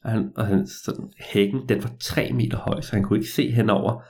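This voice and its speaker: A man telling a story to listeners in a lively, meandering way, with hesitations and repeats. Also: lowish voice, creaky, husky.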